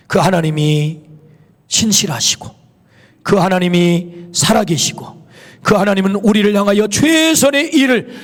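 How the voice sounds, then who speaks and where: A male pastor preaching a sermon in a church sanctuary, emphatic, asking rhetorical questions and pronouncing blessings. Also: high voice. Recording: long reverb of a church hall.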